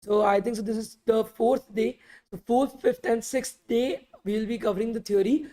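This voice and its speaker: A woman teaching a live online coding bootcamp, talking conversationally with frequent filler pauses and reading out student questions. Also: on the high side, steady tone, mellow. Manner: conversational, many filler pauses, repeats invitations to ask. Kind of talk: live online class, answering chat questions.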